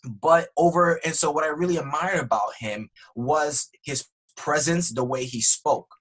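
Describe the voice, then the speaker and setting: A man being interviewed as a podcast guest, talking earnestly and growing animated when excited. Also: fairly high pitch, unhurried, husky. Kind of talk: conversational interview.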